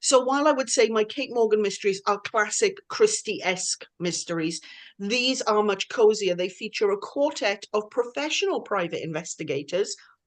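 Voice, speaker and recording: A woman with a Welsh accent, fairly high in pitch, with very wide pitch swings against a quiet background. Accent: Swansea Welsh, stronger lately. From Wales, Swansea. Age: 60s. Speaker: crime novelist and panel host. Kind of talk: online panel talk.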